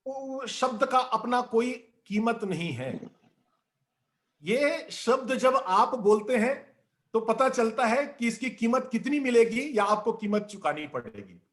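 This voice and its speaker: A man speaking as a guest in a discussion, giving a measured, teacherly talk and reciting verses and couplets along the way. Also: very high voice, animated. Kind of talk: didactic talk on the art of speaking.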